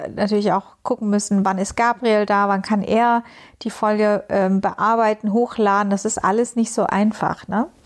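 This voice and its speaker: A woman with a non-native accent and a monotone, flat intonation. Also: very even loudness. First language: not German (speaking German). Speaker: podcast co-host, flight attendant. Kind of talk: casual chat.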